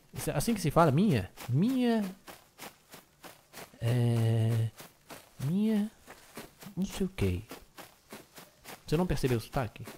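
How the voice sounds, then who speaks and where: Loud excitable man with Algerian accent. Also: medium pitch, a little hiss or hum. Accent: Algerian, Arabic and French mix. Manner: loud, excitable, shouts into the mic. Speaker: gaming YouTuber. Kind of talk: let's play commentary.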